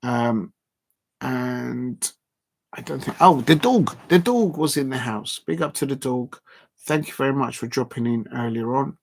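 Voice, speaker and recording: A man's voice: medium pitch, animated, measured pace, vocal fry. Rambling man signing off a stream. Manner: rambling, filler-heavy, reading out chat shout-outs. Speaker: football watch-along streamer. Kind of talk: casual late-night live stream wrap-up. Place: at home at night with a TV on.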